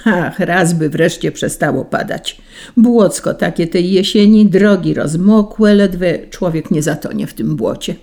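A woman's voice: lowish voice, unhurried, dark tone. A woman reading a children's story, voicing an angry cart driver who complains about the mud. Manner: irritable complaining.

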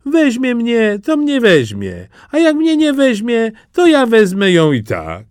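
A man voicing a cheerful, simple-minded young peasant lad who shouts happily as if from a distance, in a storybook reading. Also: extremely high pitch, huge pitch swings, slow pace, smooth, dry recording, studio quality, pitched above the performer's own voice, exaggerated voice. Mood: gleeful shouting. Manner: shouting gleefully from afar.

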